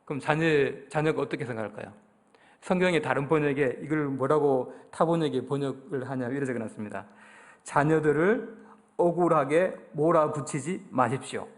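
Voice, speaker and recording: Korean pastor preaching, fairly high voice. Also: male voice, brisk. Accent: Daegu Gyeongsang Korean. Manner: conversational preaching, asks the congregation questions. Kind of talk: sermon. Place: church sanctuary.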